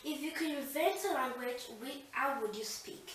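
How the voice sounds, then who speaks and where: A woman asks short interview questions in a plain, even way, her voice pitched a little high. She sounds set back from the mic, with a heavy room echo and faint noise behind her. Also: normal speed, far from the mic. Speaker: interviewer, younger sister.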